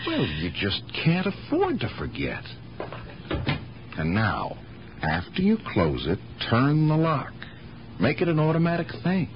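A man's voice: fairly high pitch, wildly swooping pitch, a little slow. An actor playing an earnest, protective policeman nephew in a radio drama, patiently admonishing. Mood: exasperated, admonishing. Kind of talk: 1970s radio drama acting. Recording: muffled, noisy vintage radio recording.

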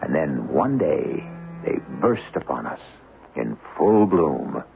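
A man hosting a radio mystery show with deliberate, wry, portentous scripted narration. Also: a bass voice, big pitch swings, vocal fry. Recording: narrow-band 1970s radio broadcast. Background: music.

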